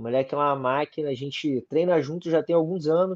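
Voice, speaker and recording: A man speaks in a plain, everyday voice. His pitch sits fairly high and shows ordinary variation. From Rio de Janeiro, Brazil (Copacabana). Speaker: jiu-jitsu fighter. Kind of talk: casual chat.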